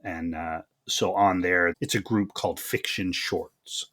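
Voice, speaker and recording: A man's voice: sits low, fairly even intonation, measured pace, a bit bright. A man hosting a podcast in a casual, conversational interview style, with a folksy, encouraging manner and frequent words of agreement. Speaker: podcast host.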